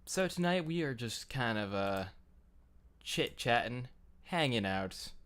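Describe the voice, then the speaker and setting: Over a headset at his home computer, a fan livestream host leads a relaxed online group call, rambling and joking at his own expense. He speaks slowly and expressively in a medium-pitched, slightly bright voice that is clear and resonant.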